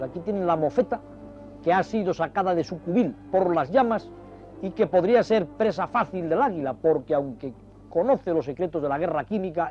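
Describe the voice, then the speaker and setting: High-pitched man narrating nature documentary. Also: a little mellow. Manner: didactic, addressing viewers directly; ornate, dramatic storytelling phrasing. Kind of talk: nature documentary commentary, explaining over film footage. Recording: dull vintage TV audio, music behind. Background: music.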